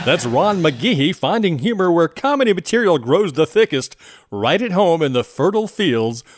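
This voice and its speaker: A man's voice: a little high, very animated, moderate pace, dry recording, clean studio sound. A man hosting a program with scripted links, in a folksy, florid manner. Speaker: radio program host. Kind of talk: scripted host links between comedy clips.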